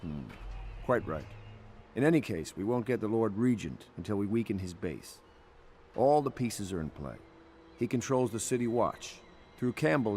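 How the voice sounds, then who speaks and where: An actor playing a grave, commanding admiral who speaks formally and deliberately in a video game. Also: male voice, lowish voice, a little mellow, a little hiss or hum. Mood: grave, determined. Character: grave, commanding male admiral plotting against a regent. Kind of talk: scripted video game dialogue.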